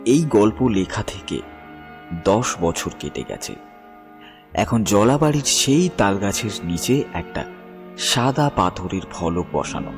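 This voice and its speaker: A man narrates a dark tale in a very low, solemn voice. He takes his time, pausing dramatically between phrases, with a long reverb trailing his words. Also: big pitch swings. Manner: solemn, measured, dramatic pauses. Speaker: story narrator. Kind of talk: dramatic scripted horror story narration. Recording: long reverb, music bed behind voice.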